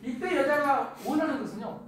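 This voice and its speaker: A middle-aged man giving a lively lecture to a live audience, acting out the spouses he quotes in a raised voice. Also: extremely high pitch, a little fast. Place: lecture hall. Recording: echoey hall from far off, faint noise.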